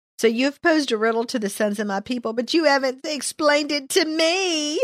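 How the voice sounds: A woman puts on a whiny character voice at a high pitch. Her intonation is lively and her pace fairly quick.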